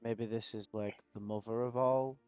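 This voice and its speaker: A man's voice: medium pitch, fairly even intonation, moderate pace, darkish tone, dry recording, faint music behind. A man chatting casually as a player in a tabletop roleplaying game. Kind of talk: casual chat.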